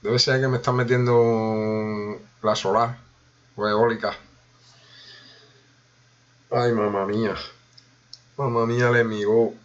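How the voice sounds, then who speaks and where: A man's voice: on the low side, flat delivery, slow pace, long pauses, highs cut off. A man with a Spain Spanish accent giving a joking running commentary to himself during a casual live coding stream.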